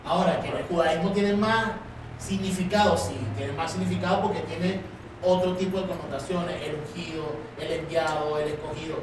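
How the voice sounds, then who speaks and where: A fairly high-voiced man leads a class, pressing his listeners with pointed questions. He is heard from across a very echoey room. A steady noise runs underneath him. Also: normal speed. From born in Chile, raised in Venezuela. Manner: probing, keeps asking rhetorical questions. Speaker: teacher leading a Bible class. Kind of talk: Socratic class discussion. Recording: echoey room, voice from far off, noisy.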